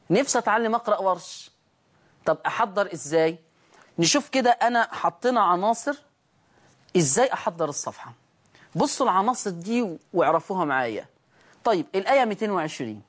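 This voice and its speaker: A man teaching Quran recitation rules on a TV program. He asks rhetorical questions, answers them, and chants the example words slowly. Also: high voice. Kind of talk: televised recitation lesson.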